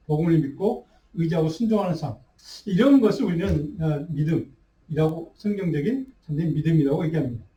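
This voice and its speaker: A man preaching a sermon as pastor, unhurried, with restarts and fillers. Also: fairly high pitch, dark tone. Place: church sanctuary. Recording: roomy church sound, mic at a distance.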